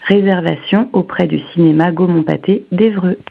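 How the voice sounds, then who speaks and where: A caller reading out an event announcement in a steady read-out way. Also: mid-range voice, moderate pace, gravelly. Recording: phone line.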